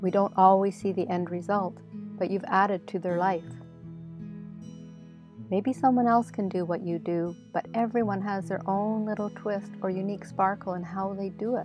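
A woman speaks at a moderate pace with a calm, soothing tone and fairly even intonation. Music plays in the background, and the sound is dry with no echo. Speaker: meditation guide. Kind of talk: guided meditation.

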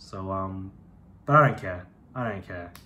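At a fairly quick pace, a man speaks in a bright, sharp tone over light background noise. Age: 20s. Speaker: vlogger. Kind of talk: casual monologue to camera. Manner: rambling, filler-heavy. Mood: reflective, relaxed. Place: home room. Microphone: phone near.

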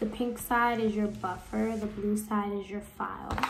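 A woman speaks with fairly even intonation, audible room echo, and faint music in the background. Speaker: nail product seller. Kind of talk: product demo vlog. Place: home room. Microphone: phone near.

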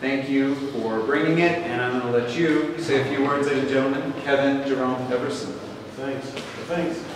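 There is strong room echo and noticeable background noise as a man speaks at a moderate pace with fairly even intonation. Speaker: embassy cultural officer. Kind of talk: formal welcome speech. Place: hall. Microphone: camera far.

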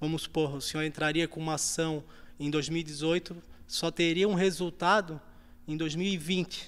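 The pace is fairly slow. The intonation stays monotone and flat. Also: man, fairly high pitch for a man. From Florianópolis, Brazil; Brazil. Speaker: criminal lawyer. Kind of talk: TV interview. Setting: TV studio. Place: studio. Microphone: handheld.

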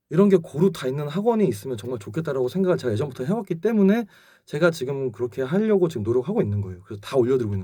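A man's somewhat breathy, dark, mellow voice at a very fast pace with very wide pitch swings, on a very clean recording with a silent background. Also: fairly high pitch for a man. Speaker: vocal coach. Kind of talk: casual talk to camera. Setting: vocal booth in studio.

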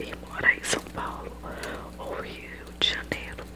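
Loud background noise surrounds this woman. She speaks at a very slow pace. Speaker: ASMR reader. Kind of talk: ASMR novel reading. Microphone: studio mic.

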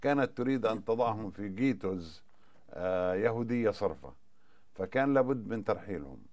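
A man talks with lively intonation. His pace is moderate. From Jerusalem, Palestine; Palestine. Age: 60s. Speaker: former Palestinian militant leader; interview guest. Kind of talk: interview testimony. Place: studio.

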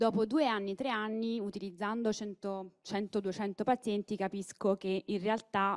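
Against a quiet background, the voice stays monotone with flat intonation. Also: woman. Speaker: training participant. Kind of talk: audience question. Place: classroom.

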